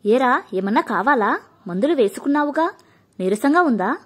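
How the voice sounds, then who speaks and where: A woman voicing a stern middle-aged mother who is proud and fierce about family honour, talking in a sharp, scolding way. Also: high-pitched, expressive, normal speed, husky. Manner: sharp and scolding, softening into grief.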